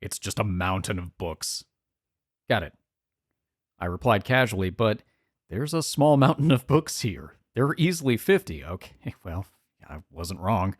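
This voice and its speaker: A woman's voice: very deep voice, big pitch swings, measured pace, breathy edge, dry recording, studio quality. A woman reading visual novel text aloud as a let's player, slipping in casual, wry, joking asides.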